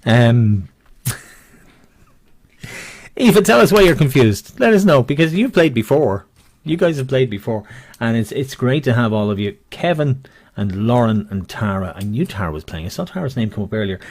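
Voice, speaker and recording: Husky-voiced man calling bingo. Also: medium pitch, expressive, moderate pace, darkish tone. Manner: jokey, chatty, rambling. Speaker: bingo caller and host. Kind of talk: bingo calling with rhyming nicknames, casual banter.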